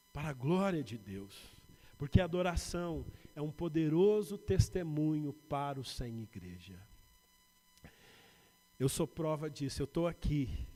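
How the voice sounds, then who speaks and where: A pastor with a São Paulo Brazilian Portuguese accent preaches a sermon from the pulpit of a church sanctuary in a fairly high voice. He rises on emphatic lists and drops into quiet personal asides, while the church hall adds a long reverb.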